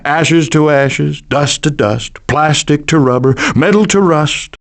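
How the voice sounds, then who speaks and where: A man's voice: a little high, slow. A man voicing a melodramatic, doting father possum in a cartoon video game, with a pompous, theatrical, declamatory manner. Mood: anxious, mournful. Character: melodramatic, hammy male possum, doting middle-aged father. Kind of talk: animated video game voice acting.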